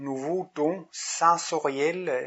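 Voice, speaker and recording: Speaking with a Danish accent, a man with a high pitch talks at a very slow pace, with ordinary pitch variation. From Denmark. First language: Danish (speaking French). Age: 50s. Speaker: lecturer. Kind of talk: lecture. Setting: small group in a private home. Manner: halting.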